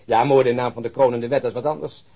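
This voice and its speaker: Cynical detective, husky voice, sarcastic monologues, radio drama, dull recording. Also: male voice, mid-range voice, steady tone, racing. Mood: bitter sarcasm. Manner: sardonic, long-winded monologue, mock politeness. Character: cynical, ranting, sarcastic male police detective colleague. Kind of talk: radio play acting.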